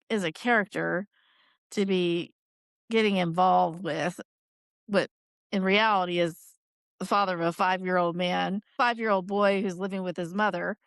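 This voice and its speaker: A woman's voice: mid-range voice, no echo, studio quality. A woman co-hosting a podcast, musing aloud in casual chat and restarting her sentences as she thinks. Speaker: podcast co-host.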